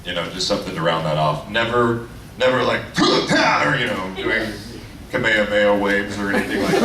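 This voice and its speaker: Guy with lowish voice doing a casual voice actor panel, animated storytelling, far from mic, roomy echo. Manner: animated storyteller who acts out quoted lines. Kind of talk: casual anecdotes and advice to an audience. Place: convention panel room. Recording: echoey room, distant mic, clear background noise.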